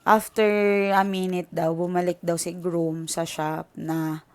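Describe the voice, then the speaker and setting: Tarot reader host, Filipino woman, unhurried and low-pitched, talks like she's sharing gossip with viewers. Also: level tone. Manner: emotional, chatty, switches between Tagalog and English. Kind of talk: casual storytelling to viewers.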